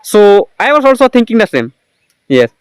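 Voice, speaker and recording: Indian man, high clear voice. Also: big pitch swings, normal speed, dry recording. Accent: Indian English. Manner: fills with "you know" and "yes, yes". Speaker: English learner hosting a practice call. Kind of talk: casual conversation practice.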